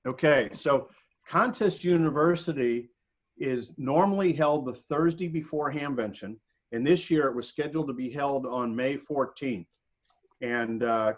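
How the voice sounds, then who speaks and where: American man, informal presenter, halting delivery, frequent mid-sentence pauses, dull lo-fi video call sound. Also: medium pitch. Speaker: guest presenter.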